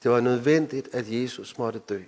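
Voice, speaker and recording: A man from Denmark preaching a sermon, moving between emphatic lines and hushed, solemn ones. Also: medium pitch. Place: mission hall. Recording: hall reverb.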